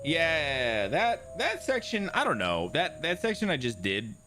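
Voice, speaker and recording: A man's voice: fairly high pitch, wildly swooping pitch, a little slow, sharp tone, soft background music. A man streaming a video game live, reacting in a jokey way, echoing the game's lines and mumbling or trailing off.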